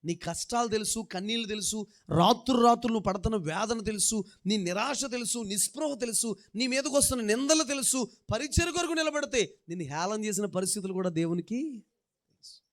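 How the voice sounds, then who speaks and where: A man's voice: sits high, a little fast. A male pastor preaching a sermon, telling folksy stories and leading the congregation in repeating verses in rhythmic, repeated phrases.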